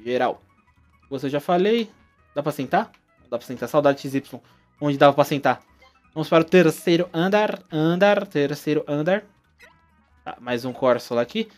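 A man's voice: a little high, a little mellow. A young Brazilian man with a Brazilian Portuguese accent, joking through playthrough commentary and talking to the game characters. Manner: jokey, exclamatory, talks to the game characters. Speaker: gaming YouTuber.

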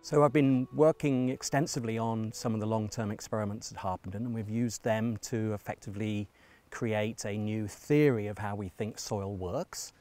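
Lower-voiced man, fluent and measured. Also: fairly even intonation, dark tone. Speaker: soil scientist. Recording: faint music underneath.

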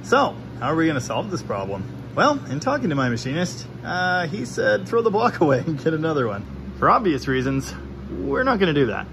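A man talks through an engine build in a cluttered home garage, his pitch rising and falling in a lively, wry way. The room is noisy, with a steady hum of background sound under his voice, picked up by the camera's microphone. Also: a little fast. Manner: animated, wry, talks with his hands while showing parts. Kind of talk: casual explanatory workshop commentary.

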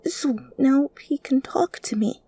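A woman voicing a timid, hopeful little boy in a story, soft, hesitant and innocent. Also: high-pitched, slow, no echo, pitched above the performer's own voice.

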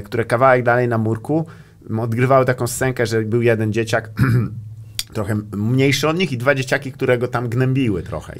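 A young man hosting a casual comedy podcast, telling rambling stories with crude jokes and bits of English. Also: mid-range voice. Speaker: podcast host.

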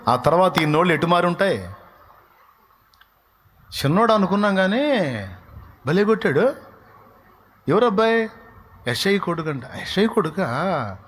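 Man preaching with fervent, higher voice. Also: animated, unhurried, long pauses, a bit bright, a little hiss or hum. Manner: acts out crowd voices in shifting pitch and volume; emphatic preaching with rising rhetorical questions. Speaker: pastor. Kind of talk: sermon.

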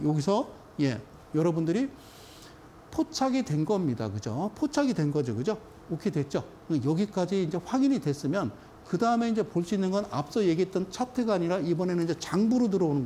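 Animated male stock lecturer, high voice. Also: moderate pace, a little hiss or hum. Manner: emphatic, keeps checking in with the audience. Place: studio.

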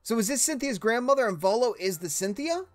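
A man's voice: very high-pitched, expressive, brisk, no echo, soft background music. A man casually commenting on his gameplay with chatty, self-mocking asides. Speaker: let's play gamer.

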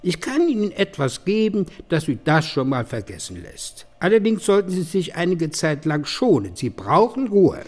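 A man playing a polite, secretive doctor with a measured, sinister manner in a horror audio drama. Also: fairly high pitch, big pitch swings, a little mellow. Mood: calm, polite. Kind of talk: German horror radio drama acting.

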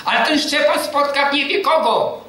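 His voice very high and his speed normal, a preacher tells personal stories in a church hall, bringing them alive with quoted dialogue. He also poses questions to the congregation and answers them himself, all heard through heavy hall echo.

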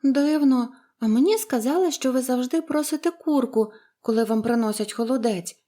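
A woman doing a cheerful chatty little girl. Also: normal speed. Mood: eager. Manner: eager, gushing, high and bright.

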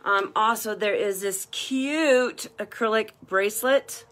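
A woman hosts a live-stream jewelry sale, talking casually and gushing over the colors and styles of every piece. Her voice sits at an ordinary middle pitch. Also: takes it slowly, fairly bright tone. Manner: chatty and gushing, praising each piece. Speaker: jewelry seller hosting a live online party. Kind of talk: live-stream sales chat.

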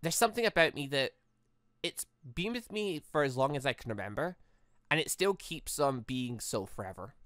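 Earnest, halting android girl, as a gamer reads her. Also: medium pitch, lively intonation, fairly bright tone, dry recording, studio quality, close to an everyday voice. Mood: troubled, hesitant. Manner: hesitant, halting, thoughtful. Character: earnest, troubled android girl confiding in friends. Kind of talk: visual novel dialogue read aloud.

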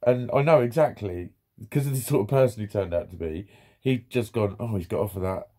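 Lounging in a small room and filmed close up, a man vlogs a story as a casual rant, cursing nonstop, laughing and imitating what people said. His voice is fairly low, warm in tone, and fairly quick.

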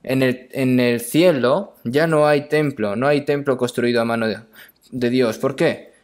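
Man preaching in halting phrases. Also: mid-range voice. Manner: halting, repeats phrases, often adds questioning tags. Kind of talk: sermon with scripture reading.

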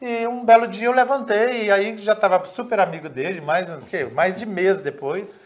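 A man telling stories in a casual, lively way, often laughing and acting out the dialogue. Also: high voice, normal speed. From Minas Gerais, Brazil. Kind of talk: casual anecdotal storytelling.

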